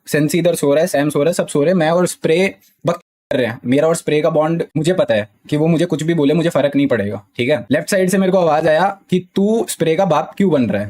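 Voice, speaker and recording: A man's voice: fairly high pitch, a little mellow. A young man with an Indian accent talks to his stream chat, heated and defensive, often repeating the same filler. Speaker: gaming streamer. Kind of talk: live stream talk to chat.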